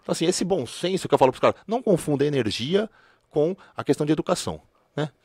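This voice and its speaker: A man's voice: on the high side, expressive, quick pace, a little mellow, breathy edge, no echo, studio quality. A man, a former police officer telling stories in a slangy, casual conversation. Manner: storytelling, slangy, repeats filler words.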